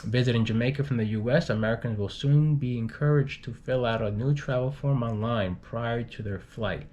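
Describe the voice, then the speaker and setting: A man reading news items informally with his own commentary, in a halting way, stumbling over and repeating words. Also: a little mellow, lo-fi sound. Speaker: news reader for an expat community channel. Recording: clearly noisy home recording with low rumble.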